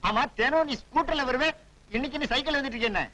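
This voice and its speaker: An actor playing an irritated passer-by on a bicycle, exasperated and scolding. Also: male voice, very high voice, fast talker, sharp tone, rough recording.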